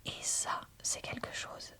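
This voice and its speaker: A woman whispers in a breathy, unvoiced ASMR style, speaking informally and frankly as she reads and reviews books. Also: slow pace, sharp tone. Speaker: book reviewer.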